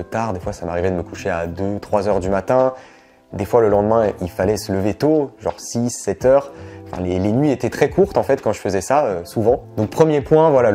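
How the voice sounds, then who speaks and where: A man's voice: on the low side, warm tone. A young man with a cold talks casually to camera, rambling with lots of fillers. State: stuffy, has a cold. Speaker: travel vlogger.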